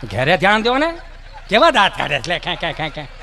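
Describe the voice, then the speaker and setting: A man telling folk comedy stories on stage, animated and putting on voices. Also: high-pitched, fast talker, vocal fry, a little hiss or hum. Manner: animated, acts out voices, rustic asides. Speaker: stand-up comedian. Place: live stage show.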